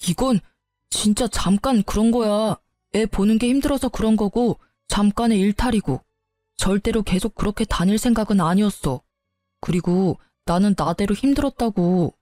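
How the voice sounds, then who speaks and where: A woman's voice: mid-range voice, moderate pace, mellow, no echo, faint music behind, natural voice. A woman voicing a resentful young husband who argues back with sneering, defensive retorts in a storybook narration. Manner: argumentative, sneering.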